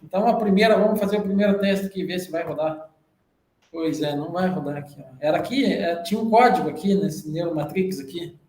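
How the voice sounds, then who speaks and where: High-voiced Brazilian man presenting a study. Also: brisk, a little mellow. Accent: Brazilian Portuguese. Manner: explanatory, with frequent "né?" tag questions. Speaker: journal club presenter. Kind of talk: academic presentation. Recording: roomy echo.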